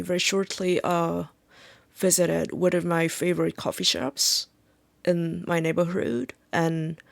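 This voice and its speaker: Korean accent, native Korean speaker, strong vocal fry, unhurried, halting with fillers, casual vlog. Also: mid-range voice, dry recording. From South Korea. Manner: halting, searching for words, many fillers. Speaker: vlogger. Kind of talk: casual reflective monologue.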